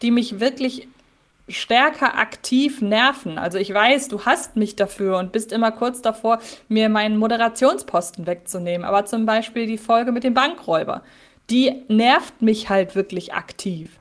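A woman's voice: on the high side, moderate pace. Hesitant woman podcast co-host. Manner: thoughtful, hesitant with many fillers. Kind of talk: casual podcast chat.

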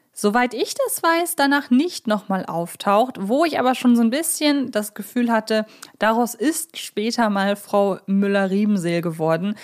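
A woman hosting a podcast in a chatty, wordy style with stop-and-start phrasing. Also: medium pitch. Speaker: podcast host.

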